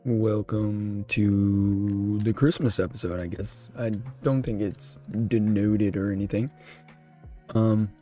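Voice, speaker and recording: A hoarse man talks slowly and easily to his stream chat, clearing his throat now and then. His low, mellow voice sounds worn out. Faint music plays behind him. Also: steady tone. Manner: laid-back, clears throat often. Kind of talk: casual live-stream chat.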